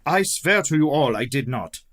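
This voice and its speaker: An actor playing a methodical older professor hunting a vampire, speaking in a formal, measured way. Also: male voice, a little high, expressive, a bit bright. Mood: grave. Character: Professor Van Helsing, methodical older male vampire hunter. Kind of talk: community radio play acting.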